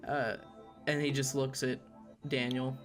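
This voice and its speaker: A man playing a tabletop horror game, describing and voicing his character with a halting, filler-heavy way of talking. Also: mid-range voice, flat delivery. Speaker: player voicing Vyacheslav. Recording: music playing underneath.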